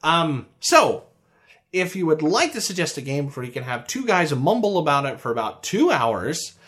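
A man's voice: a little high, sing-song, normal speed, a bit bright. A man co-hosting a podcast in casual chat, rambling and hesitant with lots of laughter. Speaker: podcast co-host.

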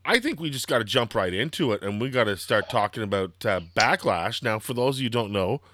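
A young man with a slightly hoarse, throaty voice, hosting a casual wrestling podcast and rambling excitedly with lots of fillers. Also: mid-range voice, fairly quick. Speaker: podcast host.

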